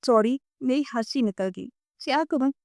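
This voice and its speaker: A woman reading the part of a proud young wife who speaks in a flat, composed way. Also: high voice, no room sound, pitched above the performer's own voice. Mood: wry.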